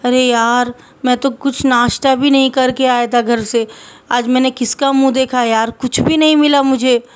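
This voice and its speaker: A woman's voice: high-pitched, steady tone, normal speed, smooth, lightly acted. A woman voicing a polite young male engineer who grumbles mildly to himself in a resigned way.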